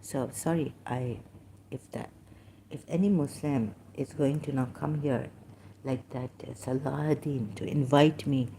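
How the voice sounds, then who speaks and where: Halting Pakistani woman, low mellow voice. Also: steady tone, gravelly, slight background noise. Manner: rambling, halting, many fillers and restarts. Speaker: vlogger. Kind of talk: casual monologue, reading aloud at times.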